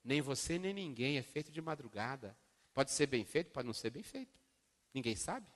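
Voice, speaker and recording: A man quoting a kind, firm older woman schoolteacher, speaking softly and slowly in a reverberant hall. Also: mid-range voice, big pitch swings, voice pushed down. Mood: gentle, firm. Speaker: primary school teacher.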